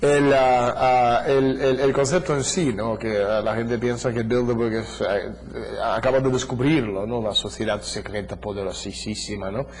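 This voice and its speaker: Amid noticeable background noise and audible room echo, a man with a Russian accent speaks at a fairly slow pace with ordinary pitch variation. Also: medium pitch for a man. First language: Russian (speaking Spanish). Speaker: political author and analyst. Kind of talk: TV interview. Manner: halting, many filler sounds.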